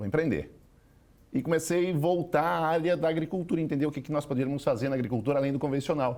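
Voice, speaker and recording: A man's very fast speech in a dark, mellow tone, fairly high in pitch. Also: very clean recording, silent background. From southern Brazil, western Santa Catarina. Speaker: entrepreneur and public speaking teacher. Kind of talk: TV interview.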